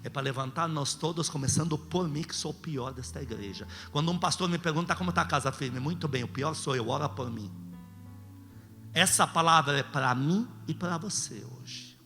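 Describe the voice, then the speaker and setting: A man's voice: on the high side, normal speed, pushed and bright. A man with a Brazilian accent preaching emphatically to a congregation as a pastor, exhorting and posing rhetorical questions. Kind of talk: sermon with call and response. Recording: long hall reverb, music behind.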